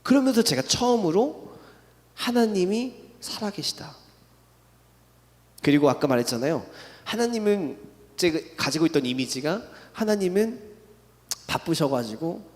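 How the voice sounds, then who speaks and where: A man's voice: a little high, a little mellow. A young man giving an emotional church testimony, telling his story with a voice that rises in intensity. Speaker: testimony speaker. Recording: long reverb in a hall.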